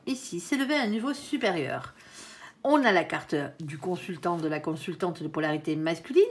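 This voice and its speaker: Lively chatty woman reading tarot. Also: medium pitch. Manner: chatty, peppered with "hein"; addresses viewers and her angel directly. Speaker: tarot reader. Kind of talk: casual tarot card reading.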